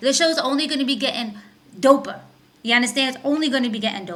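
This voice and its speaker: A woman's high, raised, projected voice with an animated tone. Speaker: podcast host. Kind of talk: casual commentary monologue.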